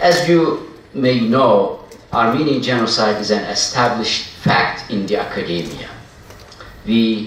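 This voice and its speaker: Noticeable background noise and audible room echo fill the clip. A man speaks at a fairly slow pace with ordinary pitch variation. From Turkey, Ardahan province. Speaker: historian professor. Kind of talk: lecture.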